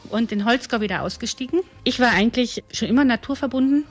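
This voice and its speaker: A woman's voice: a little high, fast talker, slightly rough. Middle-aged German woman telling stories. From Saxony-Brandenburg border, eastern Germany. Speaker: herbalist and park ranger.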